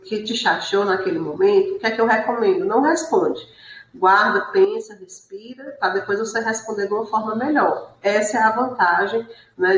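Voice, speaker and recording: A woman teacher giving an online class lecture, explaining patiently and often checking in with tag questions. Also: mid-range voice. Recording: roomy echo.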